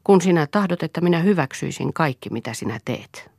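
A steadfast wife standing her ground, read by a woman in an audiobook. She speaks firmly and resolutely in a low, dry, close voice. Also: expressive, darkish tone, slightly rough, dry recording, heavily acted. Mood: defiant. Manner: firm, resolute.

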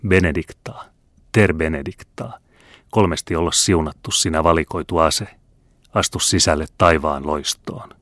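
A man reading the part of a scheming male Jesuit priest in a low, murmuring voice. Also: a bit bright, dry recording, studio quality. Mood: solemn.

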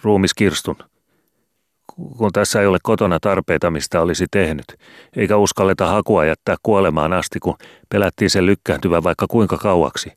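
A deep-voiced man doing a stammering, wheedling son. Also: no echo, studio quality, natural voice. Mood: hesitant. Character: hesitant scheming adult son, grown man. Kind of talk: audiobook character voice.

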